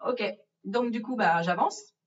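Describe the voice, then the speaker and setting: A woman's voice: a little high, a little slow. A woman from France telling a travel story in a casual, chatty way, with many fillers and acted-out asides. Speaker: vlogger. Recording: distant, dull lo-fi sound.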